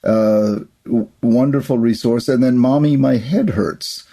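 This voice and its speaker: A man's voice: mid-range voice, measured pace, mellow. A man hosting an interview podcast in an effusive, encouraging way. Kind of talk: warm interview conversation.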